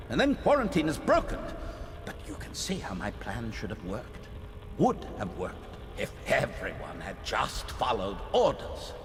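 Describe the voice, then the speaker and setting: A bitter scheming lord regent. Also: male voice, mid-range voice, in a large hall, a little hiss or hum. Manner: bitter, self-justifying, scornful. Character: disgraced male regent, scheming, then desperate. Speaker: villain confessing his crimes.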